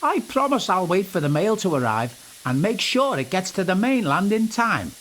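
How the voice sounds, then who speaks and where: A man's voice: high-pitched, big pitch swings, moderate pace, fairly bright tone, a little hiss or hum, pitched above the performer's own voice. A man voicing a proud, impatient, grumbling steam engine in a children's storybook. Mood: eager. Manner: grumbling, self-assured.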